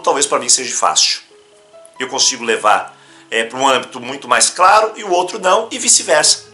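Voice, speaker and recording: A man from Brazil teaching a self-help practice in an emphatic, instructional talk. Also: mid-range voice. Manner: animated, emphatic, breaks into demonstrations.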